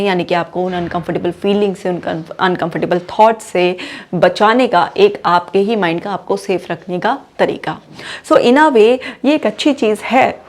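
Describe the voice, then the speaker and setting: Indian woman psychologist explaining calmly. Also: medium pitch. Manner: calm, explains with a case example in mixed Hindi-English. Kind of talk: explanatory talk on mental health.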